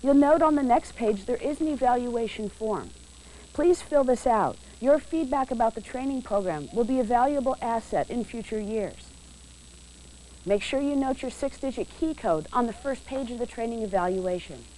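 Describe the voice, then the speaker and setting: A woman's voice: a little high, warm tone, a little hiss or hum, rough recording. Woman narrator on a worn VHS tape. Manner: clear, measured, instructive. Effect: worn VHS tape copy. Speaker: training video narrator. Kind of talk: scripted instructional narration.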